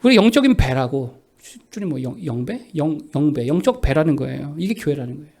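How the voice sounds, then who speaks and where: Lively high-pitched man preaching. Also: a little fast, creaky. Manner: animated preaching, questions and answers to the congregation. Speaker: pastor. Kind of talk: sermon.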